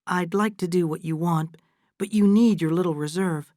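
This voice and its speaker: A woman reading aloud, voicing a young woman who speaks softly and with restraint. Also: on the low side, moderate pace, dry recording, clean studio sound, pitched above the performer's own voice, close to an everyday voice. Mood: gentle. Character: young woman, gentle daughter turning cold.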